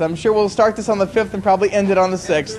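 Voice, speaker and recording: This is a high-pitched man with an American accent. Light background noise can be heard. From US Midwest. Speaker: video collector emceeing convention footage. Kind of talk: casual banter for home video. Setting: hotel ballroom convention, on camera. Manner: animated, joking. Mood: cheerful, jokey. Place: hall. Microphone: handheld.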